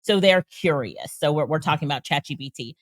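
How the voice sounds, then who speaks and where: A woman's voice: low voice, lively intonation, fairly quick, no room sound, clean studio sound. A woman guest on an interview show, explaining tools with enthusiasm and frequent laughs. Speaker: guest, AI trainer and consultant. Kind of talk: casual interview talk.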